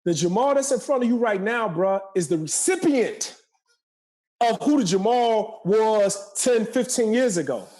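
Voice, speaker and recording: A man's voice: high-pitched, expressive, unhurried, darkish tone. A man in his forties giving a motivational talk as a podcast guest, emphatic and preacherly, repeating phrases for effect.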